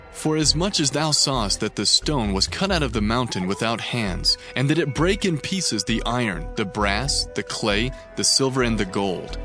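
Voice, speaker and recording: Casting: fervent, solemn prophet, scripture drama, very animated intonation, reverent and emphatic, music underneath. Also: male voice, mid-range voice. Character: solemn, fervent male prophet addressing a king. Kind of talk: dramatized scripture reading, archaic English. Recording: music behind the voice. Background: background music.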